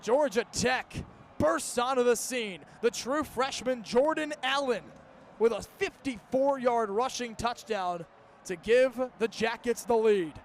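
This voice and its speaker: Young man, high voice, live football play-by-play, radio commentary, faint outdoor noise behind. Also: measured pace. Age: early 20s. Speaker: play-by-play sports announcer. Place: outdoor stadium broadcast position.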